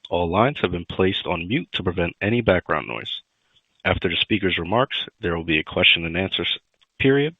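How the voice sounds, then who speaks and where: Man, call operator, very low voice, polite formal announcements, dry, muffled. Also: lively intonation, fairly quick, no room sound.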